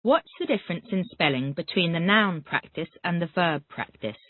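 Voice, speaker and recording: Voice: mid-range voice, expressive, dry recording. An English teacher running a Callan method drill, reading out vocabulary words and asking short repetitive questions. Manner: reads words then asks quick repetitive questions. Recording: tinny phone-like dry audio.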